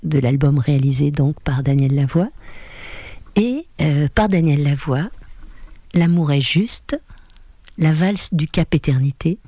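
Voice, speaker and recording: Mellow-voiced woman radio host signing off. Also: sits low, no echo. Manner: addresses listeners directly, hesitant with pauses. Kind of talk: radio show sign-off. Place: radio studio.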